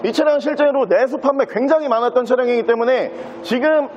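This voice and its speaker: A man with a very high-pitched voice presents a used car as its dealer. He delivers a fluent sales patter, moving through the walkaround like a practised car salesman. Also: brisk, a little mellow, lo-fi sound, a little hiss or hum.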